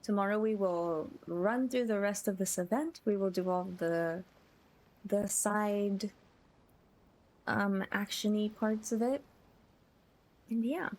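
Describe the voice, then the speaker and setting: A woman hosting a livestream, chatting casually to her viewers in a gentle, appreciative way. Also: mid-range voice, slow, long pauses, poor audio. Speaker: livestreamer host.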